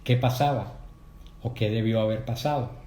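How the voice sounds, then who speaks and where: A man speaks in a steady, explanatory way to a prayer group, pausing between phrases and turning to his listeners with questions. His voice is dark and mellow. The sound carries the echo of a roomy space. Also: fairly low pitch. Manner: measured, explanatory, addresses listeners directly. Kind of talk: catechetical talk.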